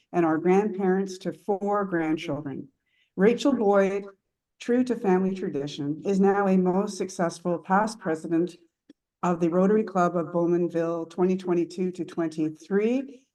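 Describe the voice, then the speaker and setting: Low, mellow-voiced woman giving a formal introduction. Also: poor audio. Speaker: speaker introducing a club guest. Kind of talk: prepared introduction speech at a meeting.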